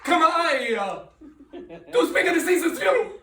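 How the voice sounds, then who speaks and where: A man playing an emotional comic foreign funeral orator, halting and melodramatic, in a Shakespeare monologue with broken phrasing. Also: extremely high pitch, expressive, noisy background. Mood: emotional, indignant. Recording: roomy sound, far from microphone.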